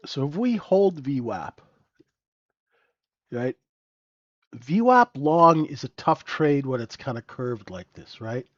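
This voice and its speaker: A man's voice: mid-range voice, animated, slow, long pauses, a bit bright, dry recording, muffled recording. Stuffy-nosed man calling live trades. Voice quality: nasal. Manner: conversational, keeps asking "right?". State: stuffy nose, sniffling. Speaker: trading room host. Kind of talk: live trading commentary.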